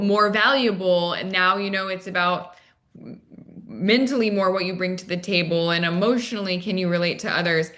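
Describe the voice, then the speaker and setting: A woman from Arizona with an American accent and a mid-range, pushed, bright voice. Appearing as an interview guest and dating coach, she talks conversationally, casually sprinkling in "like" and "you know."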